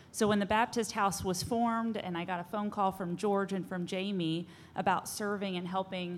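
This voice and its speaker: A woman speaks at a fairly quick pace with fairly even intonation. She has a plain, everyday voice. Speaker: Baptist campus minister. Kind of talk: interview conversation.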